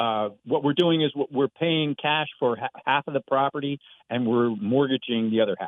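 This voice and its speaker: At a fairly slow pace, a man with an ordinary speaking voice talks in a fairly high pitch. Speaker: caller. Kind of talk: phone-in question. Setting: phone call.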